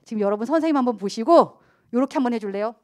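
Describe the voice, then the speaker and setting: A middle-aged woman pastor preaching a youth sermon, animated, acting out the voices of children and church members as she goes. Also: on the high side, rapid-fire.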